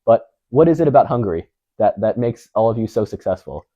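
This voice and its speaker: A man's voice: lowish voice, big pitch swings, a little fast, mellow, dry recording, muffled recording. A man interviewing a business founder, asking long, wordy questions with plenty of setup.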